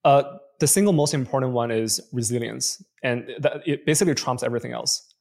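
Gravelly-voiced male investor, thoughtful. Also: mid-range voice, fairly quick, a little mellow. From Canada. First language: Chinese. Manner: thoughtful, frequent fillers and restarts. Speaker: venture investor guest. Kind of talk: conversational interview answers.

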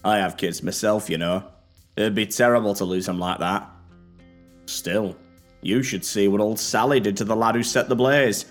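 A man's voice: lowish voice, steady tone, faint music behind, close to an everyday voice. A man voicing an arrogant, short-tempered laborer with a boisterous, cocky manner. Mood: gossipy. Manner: cocky, boisterous, quick to anger.

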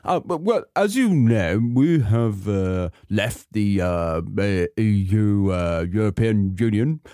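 A man's voice: fairly low pitch, expressive, slow, warm tone, no echo, clean studio sound. A man voicing a bumbling male government official on a prank call, hesitant and full of stammers. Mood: officious.

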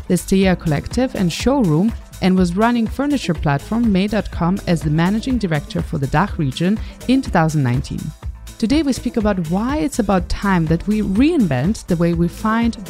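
A woman's voice: on the low side, darkish tone. A woman hosting a podcast, reading a scripted intro and then asking a guest questions in a studio. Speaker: podcast host. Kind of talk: podcast interview. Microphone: studio microphone.

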